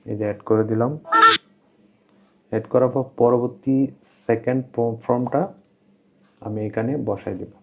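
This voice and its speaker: A man's voice: medium pitch, fairly even intonation, a little slow, long pauses. Slightly dull-sounding male tutorial presenter. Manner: repeats instructions, plain explanatory delivery. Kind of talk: informal step-by-step screen tutorial. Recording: dull, lo-fi voice-over.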